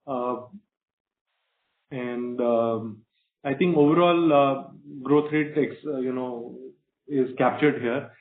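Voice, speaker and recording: A man answering questions as a company executive in a halting, measured corporate manner. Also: mid-range voice. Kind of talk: earnings call answers. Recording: roomy, band-limited conference phone line.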